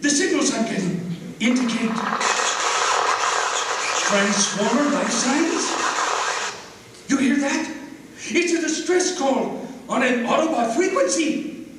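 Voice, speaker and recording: A man playing a wisecracking, theatrical robot space explorer in a live comic script reading, with droll, drawn-out delivery. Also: extremely high pitch. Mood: alert, intent. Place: live convention stage reading. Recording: distant echoey hall, loud noise.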